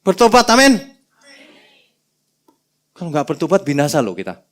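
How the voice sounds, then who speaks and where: A male pastor preaching a sermon with animated, humorous storytelling. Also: fairly high pitch, moderate pace.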